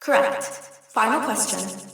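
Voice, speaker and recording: A woman playing a sassy, matter-of-fact female jinn and her deadpan security system in scripted audio fiction. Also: a little high, slow pace, heavy reverb, soft background music. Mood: deadpan, officious.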